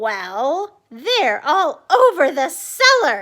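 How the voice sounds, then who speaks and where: Using a put-on character voice, a woman speaks very slowly in a high pitch with very wide pitch swings. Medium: read story. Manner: blunt, brusque.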